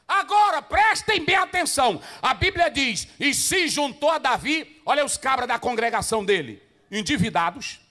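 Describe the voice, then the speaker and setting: A male pastor preaches to other pastors in a Pentecostal style, swinging from loud, shouted passages to low asides and firing rhetorical questions at his listeners.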